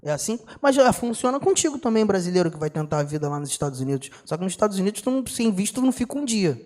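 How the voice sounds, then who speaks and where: A young Brazilian man teaches an exam-prep law class with a high, lively voice. He talks in slang and keeps firing rhetorical questions at his students. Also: rapid-fire. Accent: Brazilian Portuguese.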